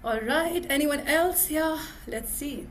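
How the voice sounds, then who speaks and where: A woman's voice: high voice, slow pace, a little hiss or hum. A woman speaker answering questions on a webinar, reflective, often affirming with a "yeah".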